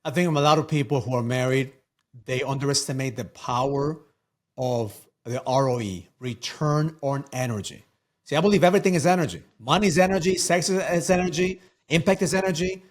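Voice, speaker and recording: A man's voice: on the high side, fairly quick. A man talking as a guest coach in a casual interview, emphatic and preachy, often repeating words for stress.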